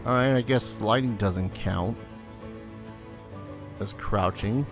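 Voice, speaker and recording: Guy doing casual gameplay commentary, lowish voice, dry musing, music faintly behind him. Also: slow. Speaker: gaming video host. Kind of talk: casual let's play commentary.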